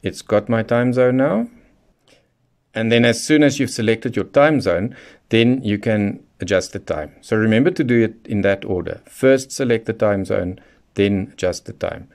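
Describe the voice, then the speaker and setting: A man with a fairly low voice presents a hands-on how-to guide. He speaks in a methodical, instructional way, taking the listener through each step in order. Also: normal speed, darkish tone. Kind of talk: hands-on product tutorial, explaining step by step.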